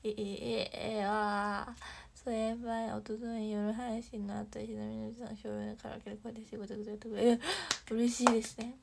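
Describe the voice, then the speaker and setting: A young woman chatting on a livestream, reading viewer comments and thanking fans, bubbly and chatty with soft whispery asides. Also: fairly high pitch, flat delivery, brisk, gravelly, hardly any pauses, slight background noise. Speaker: idol livestreamer.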